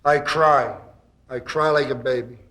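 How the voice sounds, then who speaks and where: A man's voice: medium pitch, steady tone, a little slow, bright, forceful tone. A man who is a prison inmate, speaking bluntly and emotionally in an interview. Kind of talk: documentary interview. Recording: echoey hall with faint noise.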